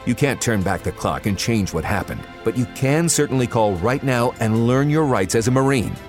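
A man's voice: medium pitch, expressive, moderate pace, soft background music. A man reading a scripted radio advertisement in an earnest, serious tone. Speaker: ad announcer.

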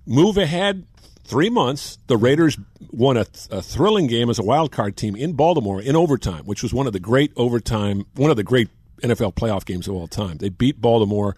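An older male broadcaster tells stories from his career in a husky, medium-pitched voice. He animates his anecdotes with quoted lines and lively asides. The sound is dry and close. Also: moderate pace, dry recording. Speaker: sports broadcaster. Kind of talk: casual storytelling chat.

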